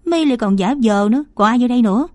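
A woman voices a mischievous young female student who prods and teases. Her voice is mellow and warm, recorded dry and close. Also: a little high, animated, very fast, dry recording, close to an everyday voice. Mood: teasing. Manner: cheeky, prodding banter.

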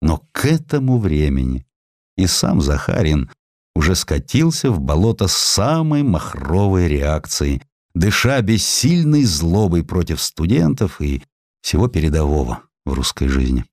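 A man's voice: low-pitched, no room sound, clean studio sound. A man reading a historical essay as a dramatized, theatrical audiobook narration. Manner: theatrical, expressive storytelling.

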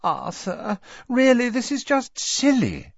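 A man voicing an anxious, fussy middle-aged witch mother who speaks in a stern, high-pitched way. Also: sing-song, slow pace, vocal fry, slightly rough, no echo, exaggerated voice. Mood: flustered. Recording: dull, dry lo-fi recording.

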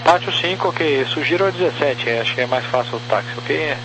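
A man with a Brazilian accent working as an air traffic controller, giving procedural, clipped clearances with digits spelled out over a crackly radio. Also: on the high side, expressive, fairly quick. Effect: crackly aviation radio. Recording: noisy crackly radio transmission with hum.

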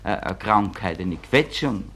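A man's voice: lowish voice, animated, measured pace, fairly bright tone, pitched below the performer's own voice. A man voicing a pompous, stuttering male doctor.

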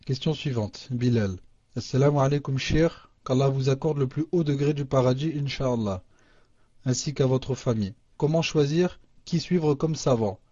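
A man's voice: medium pitch, normal speed, dark tone, dry recording. A man moderating an online call, reading listener questions aloud with restarts and Arabic religious phrases. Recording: muffled lo-fi audio.

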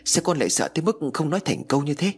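A man's voice: on the high side, sing-song, racing, slightly rough, pitched above the performer's own voice. A man voicing a worried, soothing mother. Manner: soothing, anxious. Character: caring worried mother, Cô Lan.

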